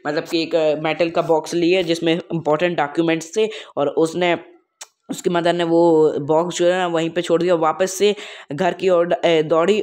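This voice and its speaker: Male teacher, slightly high voice, slow and chatty, explains a lesson line by line with lots of fillers. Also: darkish tone. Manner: reads English lines slowly, then explains them in Hindi; casual asides with many fillers. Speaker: English teacher. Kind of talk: explaining a textbook chapter.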